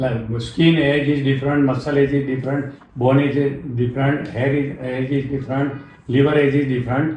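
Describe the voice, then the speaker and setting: With audible room echo, a man speaks at a moderate pace in a somewhat breathy, fairly high-pitched voice. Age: 70s. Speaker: motivational trainer and author. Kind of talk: interview.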